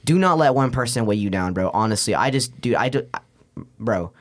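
A man's voice: mid-range voice, animated, brisk. A young man chatting casually on a podcast like a frat bro, slangy and full of swearing. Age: young adult. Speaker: podcast host.

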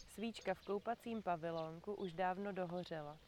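Calm woman reading a storybook outdoors. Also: on the low side, a little hiss or hum. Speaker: reader for children. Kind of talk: reading aloud to children. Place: outdoor community garden.

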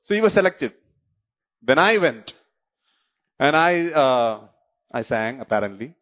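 A man's voice: mid-range voice, very animated, measured pace. A man with a Malayali Indian English accent, whose first language is Malayalam, preaching a sermon. He repeats key phrases and keeps asking the congregation short questions. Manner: repeats key phrases and restarts his sentences. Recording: dull lo-fi recording.

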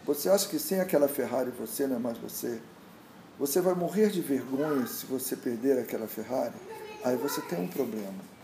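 In an echoey room with faint noise, a medium-pitched man with a warm tone speaks briskly. A meditation teacher giving a reflective, casual interview, he tells stories and restarts his thoughts repeatedly while hunting for words.

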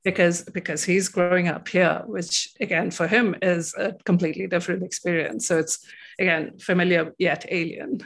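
Low-pitched, thoughtful woman. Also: fairly even intonation, creaky. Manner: thoughtful, hesitant, with frequent pauses and repeated words. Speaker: interviewee. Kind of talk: reflective interview talk about personal experience.

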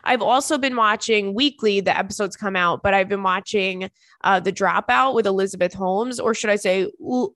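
A woman's voice: mid-range voice, no room sound. Congested young woman chatting, dry sound. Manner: chatty, joking, self-deprecating. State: congested from crying. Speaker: podcast host and stand-up comedian. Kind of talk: casual solo podcast chat.

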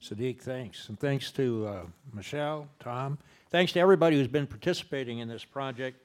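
A man hosting and moderating an interview in a measured, conversational way. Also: medium pitch. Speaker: host.

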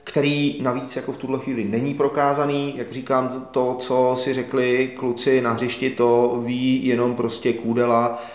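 A man's voice: medium pitch, flat delivery, echoey room. A man interviewing a guest, asking hesitant questions with many fillers. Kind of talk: studio interview.

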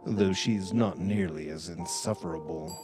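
A wry storyteller for an audio drama, judging his characters with sardonic asides. His voice sits fairly low and he speaks slowly and deliberately. Faint music plays behind him. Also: a little mellow. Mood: wry, snide. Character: wry, snide male storyteller who judges the characters. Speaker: narrator. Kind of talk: scripted audio drama narration.

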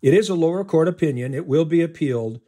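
An older man, a law professor, answering interview questions in a deliberate way, listing points one by one. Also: fairly high pitch, dark tone.

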